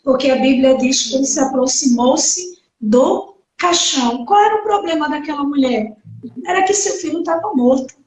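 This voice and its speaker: High-voiced woman pastor preaching in an echoey hall. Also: lively intonation, moderate pace, a little mellow, a little hiss or hum. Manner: earnest preaching with frequent "né" and acted quotes. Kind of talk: sermon. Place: church hall. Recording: echoey church hall from far off.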